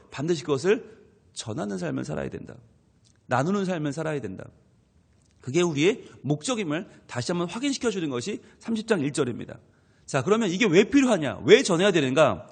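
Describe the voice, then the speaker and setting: Animated male pastor preaching in a hall. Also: high voice, husky. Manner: animated preaching, acting out skeptic and believer voices. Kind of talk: dawn prayer sermon. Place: church sanctuary.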